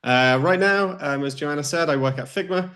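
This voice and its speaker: A man's voice: fairly high pitch, moderate pace, bright, forceful tone. A man moderating a livestream design panel over a video call, upbeat and friendly.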